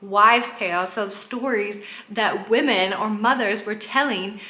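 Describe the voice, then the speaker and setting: A woman's voice: mid-range voice, unhurried, bright, forceful tone. A woman hosting a travel vlog in an enthusiastic explainer style. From Canada. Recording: roomy, echoing sound.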